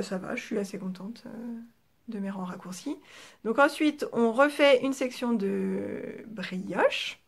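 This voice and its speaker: A woman hosting a knitting podcast in casual show-and-tell chat, with a French accent, chatty and relaxed, with many fillers and trailing asides, talking toward a camera. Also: fairly high pitch, vocal fry. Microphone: camera facing the speaker.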